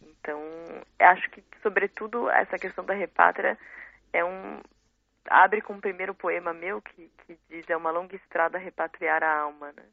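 Brazilian woman, 30s, thoughtful interview guest, gravelly, heard over the phone. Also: on the low side, steady tone, moderate pace, no echo. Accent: Brazilian Portuguese. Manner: reflective, searching for words, frequent tag questions. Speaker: guest poet. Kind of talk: casual interview talk. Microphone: phone call. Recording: tinny dry phone line.

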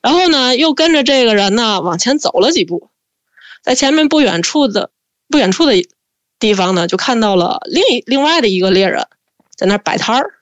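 A woman's voice: fairly high pitch, dry recording. Chatty woman telling a tale. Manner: lively, chatty, pauses with drawn-out fillers. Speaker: storyteller. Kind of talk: casual spoken storytelling.

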